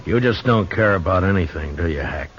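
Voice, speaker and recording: An actor playing a calm, wry frontier marshal who also narrates, heard on an old 1950s radio broadcast recording. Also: male voice, deep voice, fairly quick, highs cut off. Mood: dry, calm. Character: steady frontier marshal, grown man, calm and dry. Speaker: narrator and lead character.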